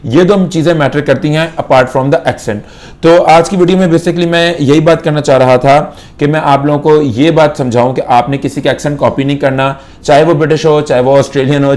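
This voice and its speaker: A man from Pakistan giving a casual IELTS lesson, mixing Urdu and English and pausing on fillers. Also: medium pitch, a little mellow. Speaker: IELTS teacher.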